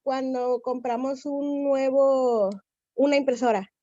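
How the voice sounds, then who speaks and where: Student: woman, high mellow voice, short plain answers, dull call audio. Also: little pitch movement, takes it slowly, dry recording. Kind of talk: answering in online class. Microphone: video call.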